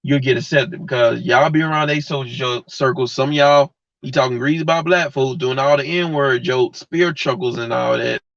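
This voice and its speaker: A man's voice: medium pitch, fairly even intonation, normal speed, gravelly, few pauses, a bit bright, no echo. A man hosting a livestream, giving a blunt, heated, slangy rant straight to his viewers. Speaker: livestream host. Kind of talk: casual slangy rant to live chat. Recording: dull lo-fi mic.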